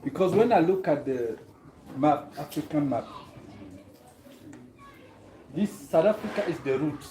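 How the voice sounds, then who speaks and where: A man speaks to a gathering as a guest. He talks earnestly and leans on rhetorical questions. His voice is slightly high yet mellow, set in an echoing room. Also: expressive, a little slow, pauses often, slight background noise. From Cameroon. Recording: roomy echo.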